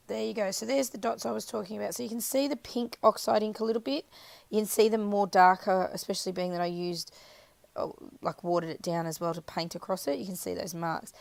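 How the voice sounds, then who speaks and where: A woman with a croaky, scratchy voice chatting casually through a crafting voiceover, rambling and correcting herself as she goes. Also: medium pitch, no echo. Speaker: craft video maker. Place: voiceover recorded apart from the footage.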